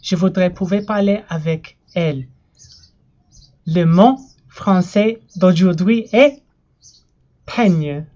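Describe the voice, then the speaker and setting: A young American woman whose first language is English talks casually to the camera in her own house. Her voice sits somewhat low, and she speaks plainly and without hurry. The home recording sounds dull and lo-fi. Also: warm tone. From United States. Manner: plain, unhurried tour, naming household words one by one. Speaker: language learning vlogger.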